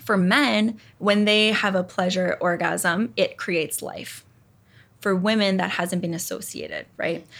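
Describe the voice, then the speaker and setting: In an unremarkable speaking voice, a woman speaks at a medium pitch and fairly slow pace with ordinary pitch variation. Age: 20s. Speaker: life coach. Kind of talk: casual chat.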